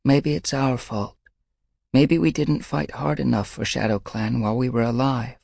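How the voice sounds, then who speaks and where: A man doing a gentle, sorrowful white she-cat. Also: fairly low pitch, flat delivery, slow, no echo, clean studio sound, pitched above the performer's own voice. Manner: murmuring, soft.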